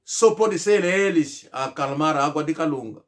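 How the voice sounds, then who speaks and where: A man's voice: on the high side, normal speed. A middle-aged man from Angola gives an emphatic political commentary to camera, mocking imagined replies in a rhetorical monologue from a small room. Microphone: fixed camera, seated at medium distance.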